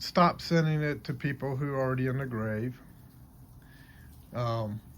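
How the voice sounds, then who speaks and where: On a very clean recording with a silent background, a plain, everyday voice talks at a moderate pace, its pitch varying in an ordinary way. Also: man, medium pitch for a man. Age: 60s. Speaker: YouTuber. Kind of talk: casual vlog commentary. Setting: outdoors in snowfall.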